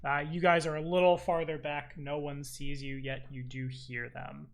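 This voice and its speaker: A man's voice: on the high side, level tone, moderate pace, creaky. A man speaking as game master, casually narrating and refereeing a tabletop game.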